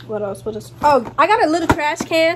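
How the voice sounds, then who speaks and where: There is noticeable background noise as a woman speaks at a fairly quick pace. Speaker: vlogger. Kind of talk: casual vlog chat. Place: home room. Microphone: phone near.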